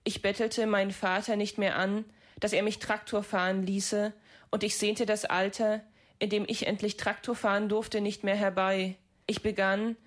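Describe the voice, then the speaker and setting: A woman reading a literary story aloud, measured and restrained. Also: mid-range voice.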